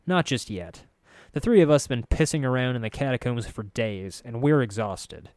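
A man voicing a weary, gruff fantasy protagonist with a frustrated, grumbling delivery. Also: mid-range voice, expressive, normal speed, a little mellow, dry recording, clean studio sound, natural voice. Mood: weary, firm. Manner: growling, frustrated.

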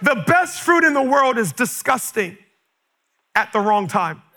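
A man raised in the Caribbean, preaching a sermon to a congregation in church, fervent, with bursts of shouting and quick stammered repeats of words. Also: extremely high pitch, big pitch swings, a faint crowd, rough recording. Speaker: pastor. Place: church sanctuary with a live congregation.

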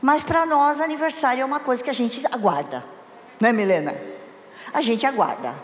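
A woman's voice: high voice, expressive, a little fast. A woman giving a conversational sermon on marriage to a congregation, often asking them questions. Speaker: church speaker. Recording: echoey hall with long reverb.

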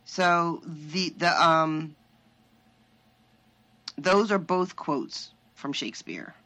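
A woman co-hosting a podcast in casual chat, animated and laughing often. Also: sits low, extremely slow. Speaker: podcast co-host.

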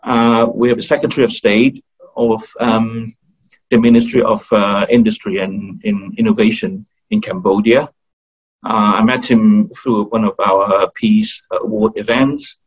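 Low voiced aussie guy, lots of uhs and restarts, kinda muffled recording. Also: level tone, unhurried, slightly rough. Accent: Australian. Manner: hesitant, full of fillers and restarts. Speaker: guest. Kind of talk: casual interview talk. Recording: dull lo-fi recording.

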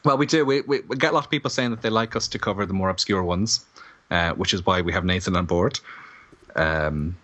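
A man's voice: deep voice, brisk, pushed and bright. An Irish man chatting casually as a co-host on a podcast. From Ireland. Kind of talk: casual chat.

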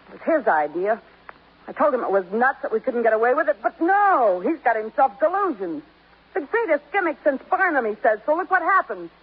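A woman's voice: high voice, very animated, a little fast, slightly rough, full character voice. A brassy, tough-talking showgirl. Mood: indignant. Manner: street-tough slang, indignant. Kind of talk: 1950s radio drama acting. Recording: tinny, hissy old radio broadcast.

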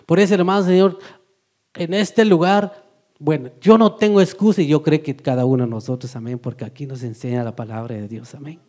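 Fervent preacher, loud then hushed. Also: male voice, on the high side, a little fast. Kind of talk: evangelical sermon.

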